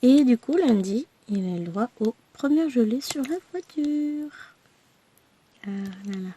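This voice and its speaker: A woman vlogger with a hoarse voice from a throat infection, chatting to her viewers in a rambling, tired, self-deprecating way. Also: high-pitched, expressive, unhurried, warm tone, a little hiss or hum. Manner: speaks tired and worn out. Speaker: crafting vlogger. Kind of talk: chatty personal update to viewers.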